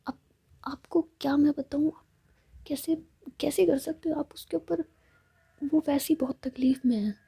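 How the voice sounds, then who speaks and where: A woman voicing an upset young bride-to-be who speaks softly and sounds exasperated. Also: high-pitched, steady tone, normal speed, creaky, long pauses, voice pushed up. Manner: exasperated, soft-spoken.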